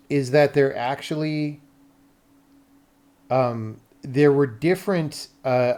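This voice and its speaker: An American man with a medium-pitched voice talks informally as a live streamer. He explains technical things off the cuff, rambling and thinking aloud as he goes. His wording is loose and conversational, occasionally mildly profane. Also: gravelly, a little mellow. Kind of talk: casual livestream chat, explaining tech.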